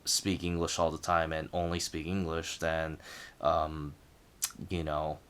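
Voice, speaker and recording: Man, very low smooth voice, casual reflective vlog talk with a hesitant, halting flow. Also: monotone, a bit bright. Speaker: language learner sharing progress.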